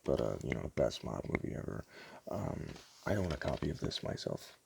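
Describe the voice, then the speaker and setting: A man doing a casual, rambling ASMR roleplay, talking hesitantly and stumbling as he reads things out, in a very deep, gravelly voice. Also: very animated, normal speed, a little mellow, a little hiss or hum. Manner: casual, hesitant, stumbles over words and self-corrects. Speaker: ASMR roleplay performer playing a DVD store clerk.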